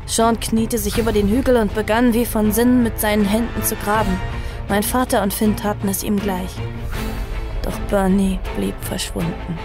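An actress plays a sombre young woman telling her own horror story. She narrates in a medium pitch with measured phrasing. Music runs underneath. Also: level tone, close to an everyday voice. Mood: grave. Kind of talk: scripted first-person narration, audio drama.

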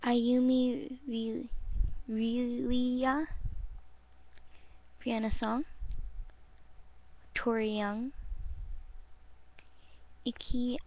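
A woman's voice: fairly high pitch, level tone, drawn-out words, long pauses. A woman casually introducing her audition, with a hesitant, apologetic manner. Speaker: amateur voice actor auditioning. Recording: dull lo-fi home mic.

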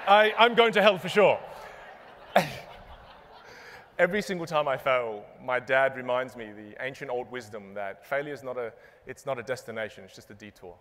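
A young man giving a comedic keynote on a large conference stage, animated and self-mocking, landing punchline after punchline. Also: medium pitch. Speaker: keynote speaker and magician. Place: large conference stage before a live audience. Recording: long reverb of a big hall.

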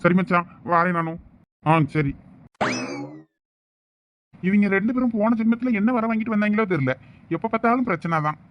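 A man's voice: high voice, a little hiss or hum, natural voice. A young man acting a husband in a village comedy skit, soothing and pleading, on a slightly muffled recording. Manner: pleading, soothing, fast talk.

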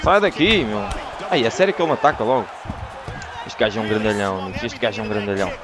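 A man with a European Portuguese accent commentating his own fight game, excitable and lurching from yelling to groaning. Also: fairly low pitch, fast. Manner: animated, swings from yelling to groaning. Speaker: gaming YouTuber.

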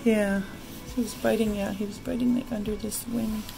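A woman's voice: mid-range voice, level tone, normal speed, gravelly, reverberant, recorded from a distance, over music, rough recording. A middle-aged woman, a pet vlogger explaining things in a casual, chatty way.

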